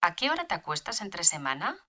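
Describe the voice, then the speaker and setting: Lively bright woman reading lesson dialogue. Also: lowish voice, fairly quick. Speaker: dialogue reader in a language lesson. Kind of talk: scripted beginner dialogue.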